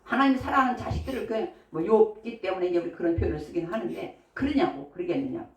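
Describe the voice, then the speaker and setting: A woman's voice: on the low side, expressive, fast talker. A woman pastor giving a sermon in a chatty way, often asking the congregation questions. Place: church sanctuary. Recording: echoey church hall from far off.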